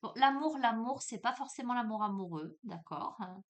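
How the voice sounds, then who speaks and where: A woman's voice: a little high, lively intonation. Chatty woman reading oracle cards. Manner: chatty, laughing, lots of fillers and asides; slow, drawn-out voice when reading card texts. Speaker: tarot and oracle card reader. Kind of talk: casual spoken card reading.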